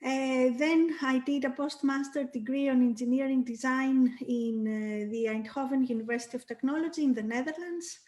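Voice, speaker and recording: Greek-born woman, slightly high voice. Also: steady tone, moderate pace, few pauses, darkish tone. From Greece. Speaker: assistant professor. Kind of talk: self-introduction on a panel. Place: video call.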